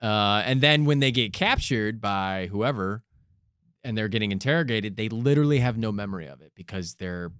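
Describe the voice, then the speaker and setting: A man's voice: on the low side, animated, normal speed, fairly bright tone, clean tone, dry recording, studio quality. A male podcast co-host in casual comedic chat, rambling as he spins joking hypothetical stories.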